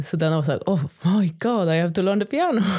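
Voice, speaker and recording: Speech comes at a very fast pace. The speaker has a Swedish accent. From Sweden. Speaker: podcast host, cellist and singer. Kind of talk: interview as guest, casual chat.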